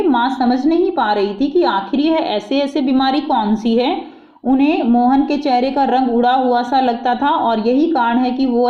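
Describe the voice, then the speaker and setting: A woman teaching a school worksheet, reading a passage aloud and then explaining it simply, calling her students "beta". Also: on the high side. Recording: echoey, dull lo-fi room.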